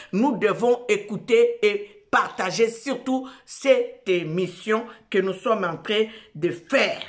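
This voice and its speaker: A woman hosts her own show, speaking in a slow and emphatic way. She repeats herself and restarts phrases as she preaches. Her voice sits a little high. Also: fairly bright tone. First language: Lingala. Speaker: host of an online show. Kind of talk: preaching talk show monologue.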